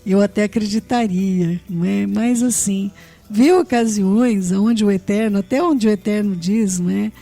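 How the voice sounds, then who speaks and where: Brazilian woman preacher, Brazilian Portuguese accent, mid-pitched, earnest sermon delivery with frequent rhetorical check-ins. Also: moderate pace, dark tone, soft background music. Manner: earnest, tags phrases with rhetorical questions, addresses listeners fondly.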